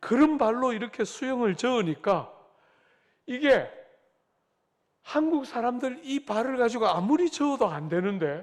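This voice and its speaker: A man with an extremely high pitch and a Gyeongsang accent, animated in tone with lively intonation, at a fairly slow pace with long, frequent pauses, on a very clean recording with a silent background. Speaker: pastor. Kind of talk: sermon.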